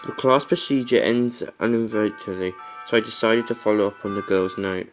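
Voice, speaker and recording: A man's voice: fairly low pitch, steady tone, moderate pace. Guy doing a casual lets play, reading story text and chatting, bit narrow sound, music on. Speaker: let's play host reading a visual novel. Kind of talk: casual commentary and reading aloud. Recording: music behind the voice.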